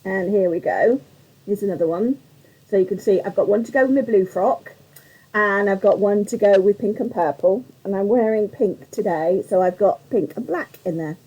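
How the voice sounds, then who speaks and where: A woman with a mellow, warm tone and a slightly croaky edge hosts a live craft demonstration. She talks in a chatty, rambling way, with plenty of fillers, and keeps greeting her viewers by name. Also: mid-range voice, moderate pace, lo-fi sound. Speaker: craft tutorial host on a live stream.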